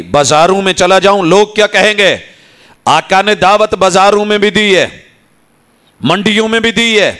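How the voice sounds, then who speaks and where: A man with a Punjabi accent preaching a Quran lesson sermon in a mosque, climbing to emphatic peaks and then dropping into low, quick asides. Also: sharp tone, clean tone.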